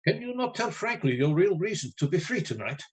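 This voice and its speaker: A somewhat high-pitched, courteous professor and vampire hunter in a radio play. He speaks formally and with authority, grave and carefully phrased. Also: big pitch swings, fairly quick, darkish tone. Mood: firm, concerned. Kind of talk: live radio play acting.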